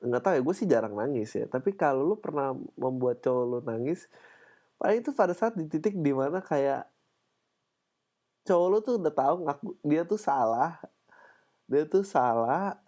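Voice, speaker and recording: A young man hosting a casual solo podcast, playful and quick to laugh, sometimes mimicking other people's voices. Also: mid-range voice, expressive, dark tone. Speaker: podcast host.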